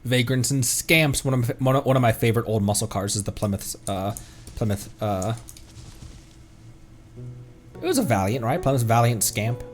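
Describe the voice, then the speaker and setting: A man's voice: mid-range voice, normal speed, long pauses, soft background music. A man who streams games as a VTuber, chatting casually and rambling as he thinks aloud. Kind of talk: casual livestream chat while gaming.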